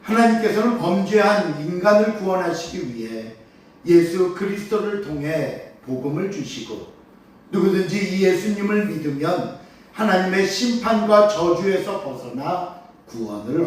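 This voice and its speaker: High, lively-voiced pastor in an echoey church. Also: male voice, a little slow. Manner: asks rhetorical questions and cues the congregation to read aloud. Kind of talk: Sunday morning sermon, expository Bible teaching. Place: church sanctuary during a worship service. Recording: very echoey church sound from a distant mic.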